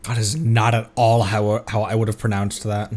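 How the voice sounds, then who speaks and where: A man's voice: lowish voice, little pitch movement, moderate pace, a little mellow. A man streaming a game, reacting with chatty, joking commentary. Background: game music.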